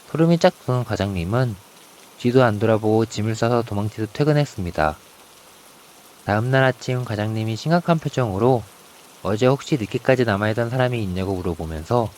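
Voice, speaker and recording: A man narrating a scripted ghost story in a hushed, suspenseful way, with rain behind his voice. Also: lowish voice. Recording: rain ambience noise behind voice.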